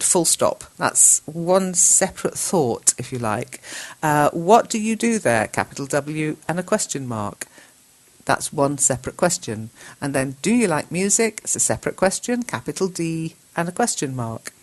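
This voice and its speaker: A woman works through learners' chat messages. She reads each line aloud and corrects it. She spells the words out letter by letter at a patient teacher's pace. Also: sits low. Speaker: English teacher host.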